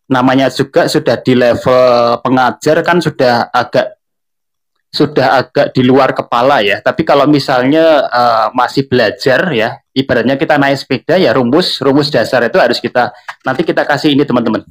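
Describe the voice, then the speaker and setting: A man's voice: mid-range voice, moderate pace. A young man with a Central Javanese Indonesian accent, an online tutor talking casually on a live stream, chatty and full of fillers. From Central Java. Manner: chatty, filler-heavy, addresses viewers often.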